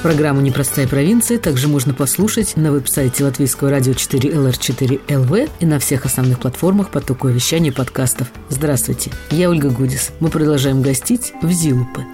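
A woman who hosts a radio program, reading her introduction and interviewing a guest with clear, composed delivery. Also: very deep voice, mellow. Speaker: radio host. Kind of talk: scripted presenting and interview.

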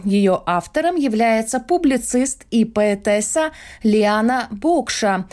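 Woman reporter, fairly high voice. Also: darkish tone. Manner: clear, formal reporting. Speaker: radio news reporter. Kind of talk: scripted news report.

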